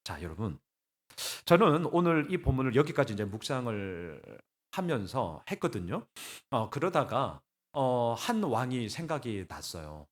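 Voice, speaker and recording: A man preaching a Sunday sermon as pastor, animated and conversational, blunt and colloquial, asking his congregation rhetorical questions. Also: mid-range voice, measured pace. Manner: blunt, colloquial, laughing at times. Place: church sanctuary.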